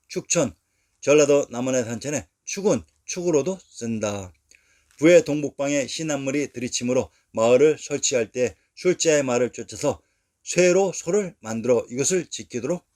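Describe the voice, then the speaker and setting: A man reads a scripted history lecture at a steady pace. He sets out each place name and its source one at a time, in a measured way. His pitch sits in an ordinary middle range. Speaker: narrator of a history lecture video.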